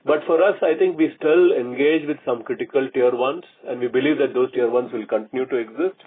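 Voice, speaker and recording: A man, a company executive answering questions on an earnings call in a halting way, repeating and restarting phrases. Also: mid-range voice, husky. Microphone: conference call line. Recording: muffled, tinny phone conference line.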